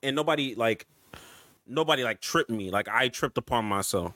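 A man's voice: medium pitch, lively intonation, normal speed, bright, forceful tone, no room sound, studio quality. A young man hosting a podcast, chatting casually and laughing often as he tells stories. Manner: laughs a lot, loose and playful. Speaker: podcast host. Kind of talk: casual chat.

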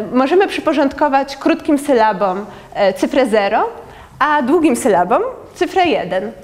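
A young woman presents a lecture to an audience, walking through her slides step by step. Her voice sits a little high, and she often pauses on hesitant fillers as she explains. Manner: measured, with frequent filler pauses.

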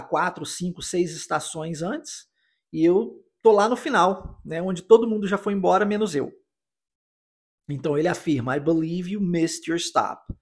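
A Brazilian man with a Brazilian Portuguese accent hosting a podcast English lesson, explaining slowly and patiently and repeating phrases for the listener. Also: high voice. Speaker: English teacher and podcast host.

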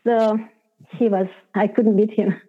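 An older woman, a spiritual teacher recounting personal memories in an interview, unhurried and full of soft laughs and "you know" fillers. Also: mid-range voice, steady tone. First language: Hungarian. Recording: tinny phone-like audio.

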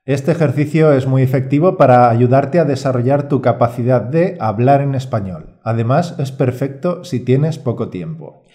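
Calm and reassuring, a male teacher who co-hosts a podcast introduces a Spanish course in scripted fashion, his mid-range voice moving at a moderate pace.

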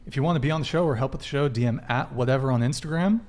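A man's voice: mid-range voice, rapid-fire, a little mellow. Offhand man hosting a talk show. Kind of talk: casual panel moderation.

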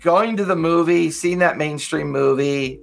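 A man's voice: a little high, unhurried, creaky, soft background music. A man in his fifties co-hosting a podcast, chatting casually and reflectively with lots of fillers. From Southern California. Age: 50s. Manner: rambling, reflective, many fillers. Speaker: podcast co-host. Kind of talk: casual chat.

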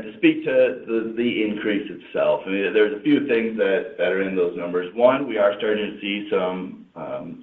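A man speaking as a finance executive on an earnings call, explaining business matters off the cuff and often restarting phrases. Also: fairly low pitch. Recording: muffled roomy phone conference line.

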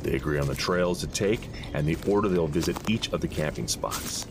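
An actor playing a gruff, pious deputy marshal in an audio drama, talking in a dry, folksy, deliberate storyteller's way. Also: male voice, a bass voice, background noise. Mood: measured storytelling.

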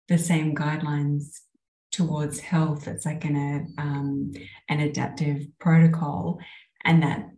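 Woman podcast host, low voice, mellow tone, reflective interviewer, roomy echo. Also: little pitch movement, measured pace. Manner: thoughtful, supportive questioning. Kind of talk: conversational interview. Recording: echoey room recording.

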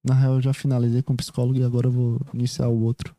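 A man with a Brazilian accent thinks out loud in a loose, wandering monologue. His voice is very dark and mellow, and the sound is close and dry. He keeps stopping to restart his sentences and checks in with the listener as he goes. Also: mid-range voice, completely flat delivery, racing, dry recording. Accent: Brazilian Portuguese. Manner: rambling, hesitant, many restarts and "you know?" tags. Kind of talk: casual reflective monologue.

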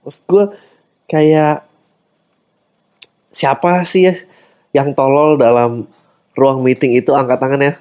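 A man's voice: mid-range voice, steady tone, takes it slowly, long pauses, darkish tone, smooth. A man hosting a podcast, delivering an exasperated, ranting satirical comedy monologue with English swearwords mixed into his slang. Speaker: podcast host.

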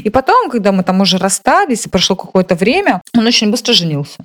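A woman's voice: mid-range voice, big pitch swings, fast. A young woman chatting casually as a podcast co-host, telling stories with lots of fillers and restarts. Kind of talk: casual chat.

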